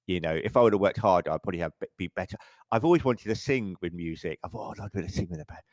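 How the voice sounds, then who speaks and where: Middle-aged english guy, really low voice, rambly and stop-start, dry close sound. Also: expressive, rapid-fire, darkish tone, no room sound. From England. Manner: rambling, self-correcting, frequent stammered restarts. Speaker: photographer guest. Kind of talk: casual interview chat.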